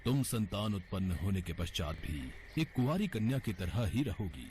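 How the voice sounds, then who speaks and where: A man's voice: sits low, sing-song, normal speed, darkish tone, slight background noise. A man playing a revered Hindu sage in a devotional storybook, formal, solemn and persuasive. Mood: assuring. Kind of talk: dramatized devotional storybook acting.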